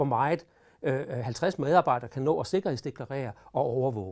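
Against a quiet background, a man keeps a moderate pace with lively intonation. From Denmark, Silkeborg (central Jutland); Denmark. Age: 50s. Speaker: history lecturer. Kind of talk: lecture. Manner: halting, many filler sounds. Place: studio. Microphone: lapel.

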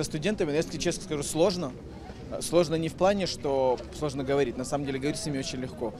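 Over noticeable background noise, a man talks at a very fast pace in a fairly high voice with ordinary pitch variation and a dry sound with no echo. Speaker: member of parliament. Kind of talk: interview. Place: street. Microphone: handheld.

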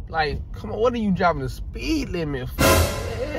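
A man speaks with a dry sound and no echo. Music plays in the background. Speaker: vlogger driving. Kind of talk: casual vlog chat. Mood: annoyed ranting. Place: car. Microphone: phone near.

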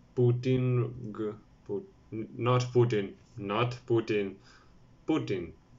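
A man's voice with a Russian accent and ordinary pitch variation. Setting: home video recording, brother in house. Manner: halting, hesitant, many fillers; laughs often, apologetic.

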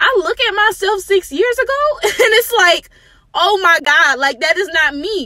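A woman speaks in a raised, projected voice at a fairly slow pace, her pitch swinging very widely. Her tone is animated and bright, sharp, and the sound is dry with no echo over a quiet background. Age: 20s. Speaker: commentary vlogger. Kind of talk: casual monologue to camera. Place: car. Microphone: phone near.

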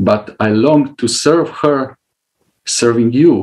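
A man with a Serbian accent, speaking at a very slow pace with ordinary pitch variation. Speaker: devotional poet. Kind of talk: reading poetry aloud. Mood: tender, reverent. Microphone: webcam.

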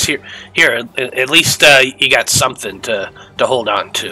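A put-on character voice at a fairly slow pace. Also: man, fairly high pitch for a man.

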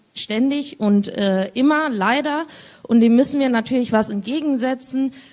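In a quiet background, a woman with a normal speaking voice talks at a fairly slow pace with ordinary pitch variation. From Saarland. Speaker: politician and union youth organiser; politician. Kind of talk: panel debate. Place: hall. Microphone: handheld.

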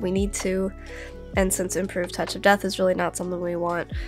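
Backed by music, a woman at medium pitch speaks at a very fast pace. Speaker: game guide creator. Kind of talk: video game tutorial narration.

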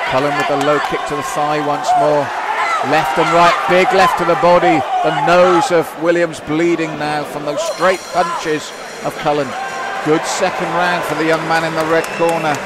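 A man at a moderate pace, dry sound with no echo, over loud background noise. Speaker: fight commentator. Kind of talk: commentary. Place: hall.

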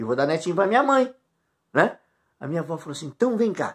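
Against a quiet background, a man with a Brazilian accent speaks at a very fast pace in an animated tone. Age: 60s. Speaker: vlogger. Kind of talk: casual monologue. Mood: warm, jovial. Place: home room. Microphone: phone near.

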